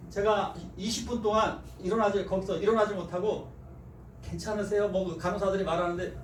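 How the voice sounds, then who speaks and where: Male pastor preaching, high lively voice, echoey church recorded from afar. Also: brisk. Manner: animated, acts out quoted speech, laughs often. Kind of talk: sermon. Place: church sanctuary. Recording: echoey church hall from far off, faint noise.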